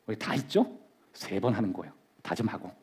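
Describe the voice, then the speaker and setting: A man's voice: lowish voice, animated, brisk, darkish tone, husky. A male pastor preaching a sermon in a church, emphatic and leading the congregation in call-and-response. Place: church sanctuary.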